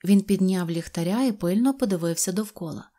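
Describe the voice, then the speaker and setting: A woman reading an audio fairy tale in an expressive storytelling manner. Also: mid-range voice, brisk. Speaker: narrator.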